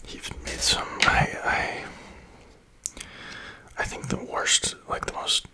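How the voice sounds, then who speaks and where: A man whispering casual, rambling ASMR chat close to the microphone, breathy and hesitant, often repeating words and phrases for tingles. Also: extremely slow, bright, forceful tone. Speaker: ASMR video creator.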